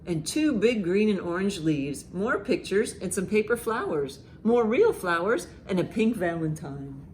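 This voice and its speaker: A woman hosting a children's storytime, reading aloud and reciting rhymes with expressive, deliberate emphasis. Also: medium pitch, a little hiss or hum. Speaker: library storytime host.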